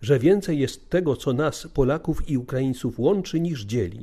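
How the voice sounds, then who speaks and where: At a fairly slow pace, a man with a normal speaking voice talks in a fairly high pitch with ordinary pitch variation. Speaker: priest and radio correspondent. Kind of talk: news report.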